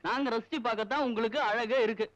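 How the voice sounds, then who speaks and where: A man's voice: very high voice, steady tone, quick pace, muffled recording, slight background noise. An actor playing a cheeky young male college student, a wisecracking comic sidekick. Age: young adult. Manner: wisecracking, playful. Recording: old film soundtrack under loud music.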